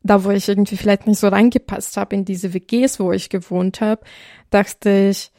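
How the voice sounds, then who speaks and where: A woman's voice: medium pitch, fairly even intonation, normal speed, warm tone, no echo, studio quality. A young woman from Ukraine, co-hosting a podcast, talking things through in a reflective, casual way with many fillers. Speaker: podcast co-host. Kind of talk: casual conversation.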